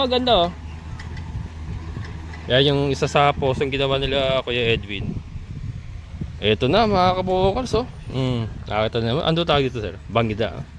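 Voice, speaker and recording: A man vlogging a casual walking tour of a land development outdoors, chatty and quick to laugh as he points things out to his viewers. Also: medium pitch, rough recording. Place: outdoors at a rural lot by a road. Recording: outdoor phone recording with loud traffic noise.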